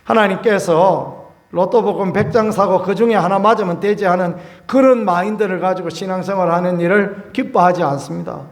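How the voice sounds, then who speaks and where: This pastor's Sunday sermon comes in a high voice at a fairly quick pace. He speaks homely, everyday language, spinning stories and dramatizing scenes with sudden loud bursts.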